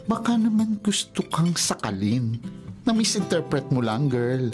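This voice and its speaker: A man's voice: a little high, very animated, measured pace, over music. A man acting a sassy, teasing gay best friend in a Filipino radio romcom, campy and gossipy with slangy Taglish.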